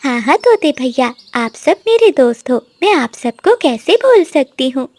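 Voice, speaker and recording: A woman's voice: high-pitched, very animated, moderate pace, a little mellow. A woman voicing a sweet, clever little female bird in a cartoon. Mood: cheerful.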